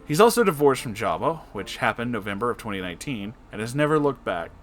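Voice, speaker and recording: A man reading a story aloud as an online narrator, expressive and casual, with dramatic delivery. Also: medium pitch, quick pace. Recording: music behind the voice. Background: background music.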